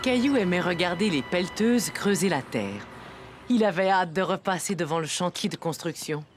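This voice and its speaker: A woman narrating a scripted children's story in a gentle, measured storytelling manner. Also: lowish voice, expressive, faint music behind.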